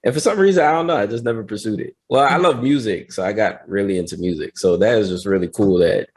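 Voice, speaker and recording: Deep-voiced laid-back male co-host. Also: fast talker, a little mellow. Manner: laid-back, slangy, encouraging. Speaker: podcast co-host. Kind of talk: casual interview chat.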